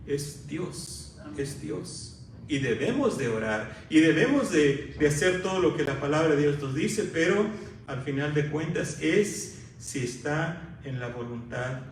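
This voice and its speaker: Over noticeable background noise, a man with a fairly high pitch speaks at a very slow pace with lively intonation. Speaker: pastor. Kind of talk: sermon preached to a congregation.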